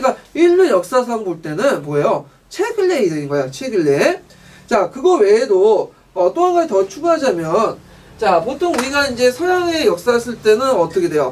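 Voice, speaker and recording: The pace is moderate. Noticeable background noise runs through the clip. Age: 30s. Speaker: history exam lecturer. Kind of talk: lecture.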